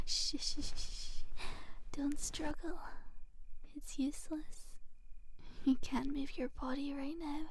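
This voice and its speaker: A woman voicing a teasing but secretly gentle female demon in an intimate ASMR roleplay, with a soft, breathy, often whispered delivery. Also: sits high, no echo. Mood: gloating, playful.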